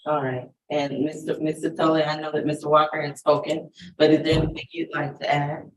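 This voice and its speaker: A woman judge running a courtroom plea hearing, asking formal questions in a brisk, measured way. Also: low-pitched, level tone, reverberant. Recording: distant mic with faint noise.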